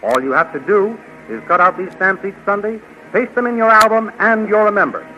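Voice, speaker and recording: A man announcing and narrating a 1930s radio serial in a bright promotional manner, recorded on a dull old radio broadcast. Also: sits high, brisk, soft background music.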